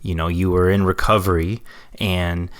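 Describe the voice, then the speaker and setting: Host, American man, lowish voice, friendly chatty interviewer. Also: flat delivery, a bit bright. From United States. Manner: friendly, agreeable, quick to affirm. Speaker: podcast host. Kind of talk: casual interview chat.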